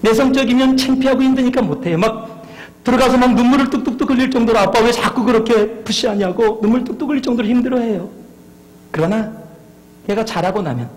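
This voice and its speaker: A male pastor preaching a sermon in a church, animated and putting questions to the congregation. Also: high voice. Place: church sanctuary. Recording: long hall reverb.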